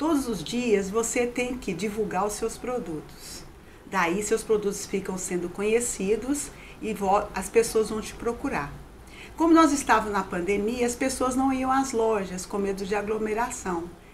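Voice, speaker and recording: A woman speaks fairly slowly at a fairly high pitch, with ordinary pitch variation. Room echo is audible. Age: 60s. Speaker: small business owner, course participant. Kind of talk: testimony.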